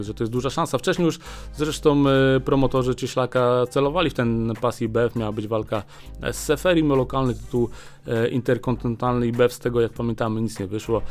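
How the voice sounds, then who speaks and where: Chatty man hosting a boxing news show. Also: medium pitch. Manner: chatty, many filler "e" pauses. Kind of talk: casual news commentary. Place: small indoor studio with a boxing backdrop. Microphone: desk mic on a small stand.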